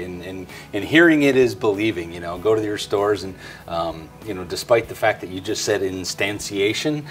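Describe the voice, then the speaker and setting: A man in his forties presenting a product tutorial in a conversational way. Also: lowish voice.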